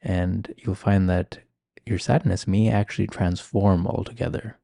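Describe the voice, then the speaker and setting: A man leading a guided meditation in a calm, gentle, measured manner. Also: deep voice, vocal fry, no echo, studio quality. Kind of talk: guided meditation, ASMR-like instruction.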